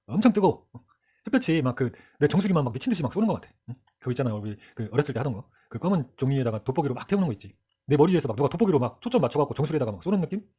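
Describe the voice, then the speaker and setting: Fast-talking husky man with a light North Jeolla accent. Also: medium pitch, darkish tone. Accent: light North Jeolla Korean accent with Chungcheong features. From Jeolla region of South Korea. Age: 40s. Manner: rambling, joking, self-mocking asides. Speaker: history teacher. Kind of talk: casual lecture.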